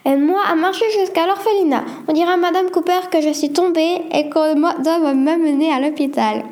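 A woman reading aloud voices an excitable, adventurous eleven-year-old girl who loves teasing her twin brother. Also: very high voice, fairly quick, voice pushed up. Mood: urgent. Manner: eager, teasing.

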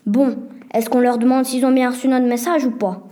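A woman's voice: high-pitched, steady tone, moderate pace, warm tone, close to an everyday voice. A woman voicing a big burly male lumberjack who threatens two children. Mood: menacing.

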